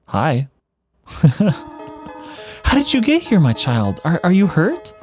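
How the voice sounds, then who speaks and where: A man voicing a gentle, doting motherly woman monster from a video game, with a hesitant, fussing, tender manner. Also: a little high, wildly swooping pitch, slow pace, faint music behind, pitched above the performer's own voice, heavily acted. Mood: tender, worried. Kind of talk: video game character read-along.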